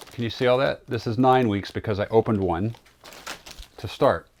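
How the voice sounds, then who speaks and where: Over noticeable background noise, a man speaks at a moderate pace in a fairly low pitch with fairly even intonation. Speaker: actor and voice performer. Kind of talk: casual vlog. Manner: casual, rambling.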